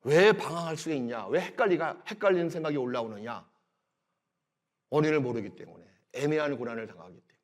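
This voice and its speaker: A middle-aged male pastor preaching in a church, explaining scripture slowly and voicing God's words in gentle quotes. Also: on the high side, lively intonation. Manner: slow, emphatic delivery with swings between loud and soft. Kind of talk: sermon. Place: church sanctuary.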